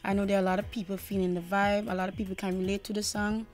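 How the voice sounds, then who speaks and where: A woman's voice: medium pitch, little pitch movement, racing. A young woman from Trinidad and Tobago, a singer answering interview questions confidently, often saying "you know". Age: young adult.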